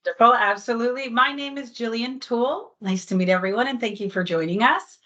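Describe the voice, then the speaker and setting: A woman's voice: on the high side, brisk, bright, forceful tone. A woman from New York, a team manager, introducing herself and her team upbeat on a video call. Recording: dull lo-fi video call audio.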